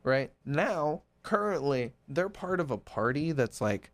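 A man's voice: fairly high pitch, a little slow. A man co-hosting a casual podcast, eagerly retelling a story with many fillers. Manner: excited retelling, filler-heavy. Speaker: podcast co-host. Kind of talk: casual chat.

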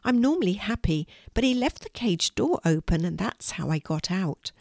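A woman voicing a tiny, timid female white mouse with a soft, squeaky, nervous voice. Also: very animated, normal speed, gravelly, dry recording, clean studio sound. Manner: stammering, nervous.

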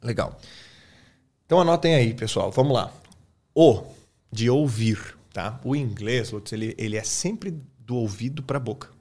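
A man with a Brazilian Portuguese accent, an English teacher explaining his method in a relaxed, colloquial chat, often tagging his sentences with quick questions. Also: medium pitch. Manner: relaxed, colloquial, peppers speech with tag questions.

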